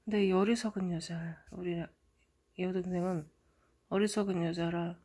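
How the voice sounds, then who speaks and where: A middle-aged woman hosting her own channel, telling a story in a casual monologue and swinging dramatically from hushed murmurs to loud outbursts. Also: lowish voice, fairly even intonation, normal speed, slightly rough. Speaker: channel host interpreting a dream.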